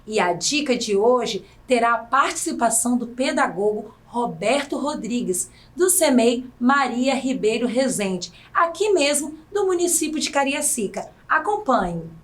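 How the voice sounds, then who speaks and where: A woman's voice: fairly high pitch, animated, measured pace, few pauses. A woman with a Brazilian accent presents a recorded science lesson in a scripted, teacherly way, putting quiz questions to her students. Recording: voice a bit distant from the mic.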